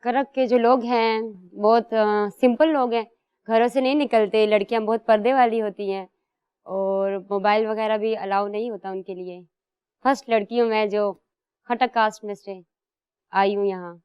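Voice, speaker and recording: A woman's voice: mid-range voice, steady tone, clean tone, no echo, highs cut off. A young woman from Pakistan, a contestant answering interview questions in a giggly, casual, defiant way.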